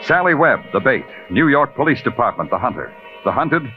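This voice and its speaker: An actor playing a terse, grim police lieutenant in a 1950s radio drama, narrating and giving orders. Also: male voice, medium pitch, very animated, brisk, natural voice. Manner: clipped, terse, commanding. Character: hard-boiled male police lieutenant, grim. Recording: muffled old radio recording with music.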